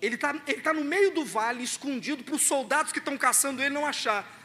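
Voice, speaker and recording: A man's voice: very high voice, fast talker. A Brazilian man preaching a sermon, urging the congregation to respond. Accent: Brazilian Portuguese. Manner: exhorting, rousing the congregation. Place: church hall. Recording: long hall reverb with loud music.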